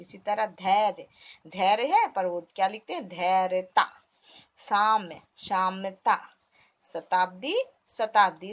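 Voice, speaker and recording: A woman teacher explaining a textbook lesson patiently, often asking the listener questions as she goes. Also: mid-range voice.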